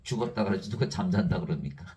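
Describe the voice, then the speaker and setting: A man preaching a sermon in an emphatic, lively way, reading scripture aloud and laughing between points. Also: low-pitched, fast.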